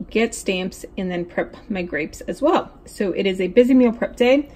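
A woman's voice: medium pitch, darkish tone. Chatty young woman vlogging meal prep. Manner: chatty, talks baby-talk to her cats. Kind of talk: casual meal prep vlog narration. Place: home kitchen, indoors. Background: faint household appliance hum.

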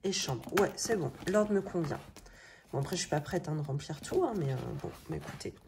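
A woman in her thirties with a French accent chats casually, thinking aloud in colloquial speech with a slightly rough morning voice. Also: sits low, lively intonation, fairly quick. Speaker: budgeting video host. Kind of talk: casual chatty vlog narration. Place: indoors at a table. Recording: noisy home recording with clicks.

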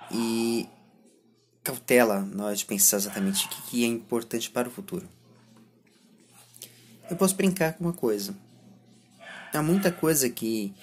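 A man in his twenties with a Brazilian accent and a husky voice, speaking a reflective monologue to camera as a vlogger, halting between short phrases. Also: on the low side, a little hiss or hum. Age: 20s. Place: small indoor room lined with bookshelves. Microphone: phone or camera at arm's length.

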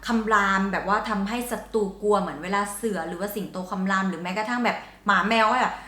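A woman's voice: medium pitch, quick pace, sharp tone, echoey room. A woman hosting a channel, explaining song lyrics and slang in a chatty, playful way. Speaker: song translator, channel host. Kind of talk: casual explaining lesson.

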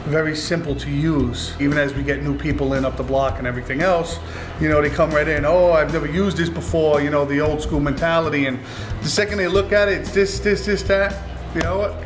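A man's voice: a little high, fairly even intonation, fairly quick. A man in his forties, co-owner of a market and restaurant, talking in a chatty, joking storytelling way in an indoor interview. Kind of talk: casual testimonial interview. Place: restaurant dining room, indoors. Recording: music playing underneath.

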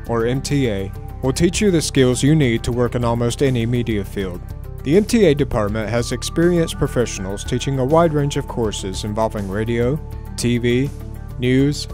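A man's voice: mid-range voice, a little mellow. A young man narrating scripted radio commercials and announcements as an announcer. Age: young adult. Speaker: media student and radio announcer. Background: music.

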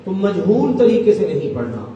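A man's voice: sits high, big pitch swings, mellow, muffled recording. A man teaching a recitation lesson, patiently chanting each sound as he explains it. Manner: slow, patient, demonstrates sounds by chanting them. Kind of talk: tajweed lesson. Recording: roomy hall echo, distant mic, faint noise.

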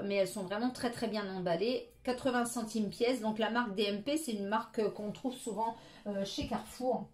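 A woman's voice: mid-range voice, a little mellow. Middle-aged woman, casual haul vlogger, chatty with many hesitations, echoey room. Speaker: beauty vlogger.

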